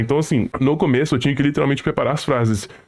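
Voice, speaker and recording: This man has a medium pitch and lively intonation. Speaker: programmer and tech educator youtuber. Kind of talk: personal vlog monologue. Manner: fast; hesitant fillers.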